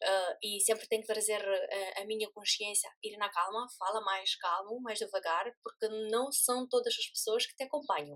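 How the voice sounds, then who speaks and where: Barely pausing, a woman talks at a moderate pace. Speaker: hypnotherapist. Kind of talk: spiritual self-help talk. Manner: halting.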